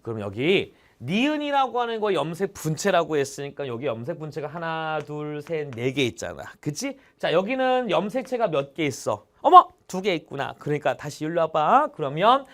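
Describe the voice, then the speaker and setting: A young man teaching biology in an online exam-prep lecture, chatty and animated, constantly checking in with his students and breaking into little exclamations. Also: a little high, moderate pace, hardly any pauses. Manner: animated, exclaims mid-explanation. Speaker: biology tutor.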